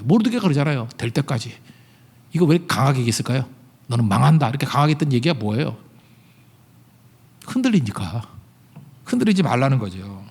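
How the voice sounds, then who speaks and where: A middle-aged man preaching a sermon in a chatty, conversational way, with many rhetorical questions and sudden loud, emphatic peaks. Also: a little high. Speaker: pastor.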